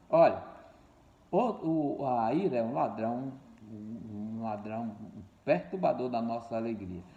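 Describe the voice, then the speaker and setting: A man's voice: medium pitch, warm tone. An older man preaching a sermon, repeating key words and calling his listeners dear ones and brothers. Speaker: pastor. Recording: echoey room, dull lo-fi sound.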